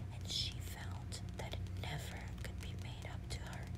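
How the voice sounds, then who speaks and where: Whispering and soft-spoken, the speaker goes at a fairly slow pace. Loud background noise fills the recording. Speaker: reader. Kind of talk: soft read-aloud of a novel. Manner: soft whispered ASMR reading.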